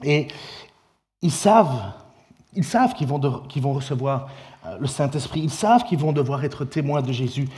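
A man preaching a sermon, in a lively, conversational way with many restarts. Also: mid-range voice, moderate pace.

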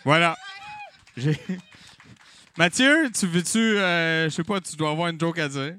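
A man's voice: a little high, a little slow, sharp tone, a little hiss or hum. A man with a Québécois accent hosting a live comedy night, joking and swearing loosely with the crowd. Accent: Québécois French. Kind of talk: improvised stand-up hosting with mock auction. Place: live venue with audience.

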